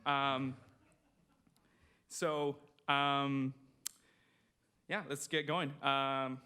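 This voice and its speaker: A young man from Mexico gives a conference talk about his census work. He speaks in a flat, level tone, with frequent ums and restarts. His humour is light and self-deprecating. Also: mid-range voice, very slow, smooth. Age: 20s. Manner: conversational, many fillers and restarts, self-deprecating. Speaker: state census project manager presenting. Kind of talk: conference presentation. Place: conference room.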